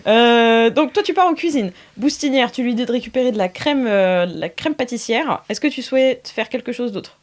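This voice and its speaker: A woman's voice: a little high, animated, moderate pace, few pauses. A woman running an improvised tabletop game as game master, narrating casually and hesitantly in a studio. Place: recording studio. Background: music.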